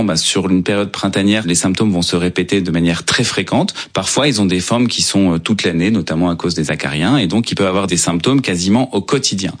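A man who is a pediatric allergist, explaining a medical topic in a methodical way on the radio. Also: lowish voice.

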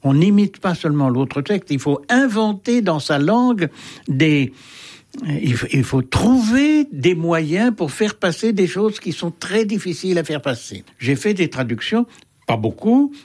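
A man's voice: high-pitched, very animated, a little slow, darkish tone. An older man, a writer, answering interview questions thoughtfully, with many hesitations and restarts. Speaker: writer and guest.

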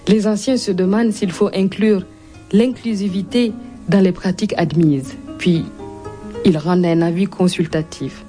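A woman's voice: medium pitch, steady tone, normal speed, mellow, soft background music. A woman from Burkina Faso with a Burkinabé accent, a Mooré speaker, guest author and comedian reading and talking in an interview.

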